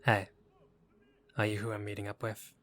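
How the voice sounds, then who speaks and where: Man acting a low-voiced, wary street gangster. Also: completely flat delivery, normal speed, a bit bright, a little hiss or hum, lightly acted. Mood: wary, dry. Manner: guarded, sardonic, casual street talk. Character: wary, streetwise young gangster for hire, gruff but decent. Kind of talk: roleplay audio drama acting.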